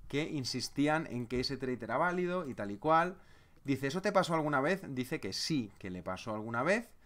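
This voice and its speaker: A man from hosts a live trading webinar in a chatty, conversational way. He tells stories and answers viewers' comments as they come in, at a middling pitch for a man. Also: a bit bright. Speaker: trading seminar presenter.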